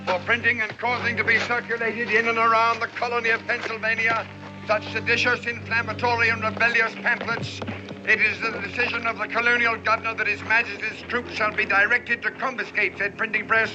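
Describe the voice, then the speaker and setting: An actor playing a curt, formal British army sergeant who reads out official orders. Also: male voice, high-pitched, level tone, fairly quick, highs cut off, over music, lightly acted. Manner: stiff, formal, reads decrees.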